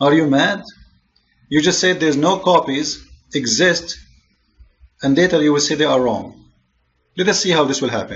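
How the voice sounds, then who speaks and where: A man with a non-native accent speaks at a moderate pace, leaving long, frequent pauses. His pitch is fairly high, with ordinary pitch variation. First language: not English. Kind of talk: video reaction commentary. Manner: animated, repetitive stammering.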